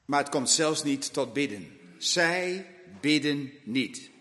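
A preacher delivers a sermon in a fairly high, pushed and bright voice with lively intonation that swings widely in pitch. He speaks slowly and emphatically, repeating phrases and pausing for drama. A church hall's long reverb surrounds him.

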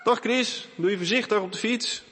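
A man voicing a caring mother in a read-aloud storybook, pitched up from his own voice. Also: moderate pace, fairly bright tone, in a large hall, a little hiss or hum.

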